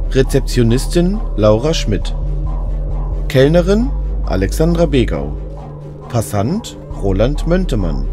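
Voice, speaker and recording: Slow, lively male credits announcer. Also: mid-range voice. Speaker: announcer reading end credits.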